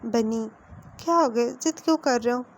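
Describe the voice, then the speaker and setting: Patient, soft-spoken young lover, read by a woman, gentle and coaxing, high voice. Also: moderate pace, natural voice. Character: calm, patient young man soothing his lover.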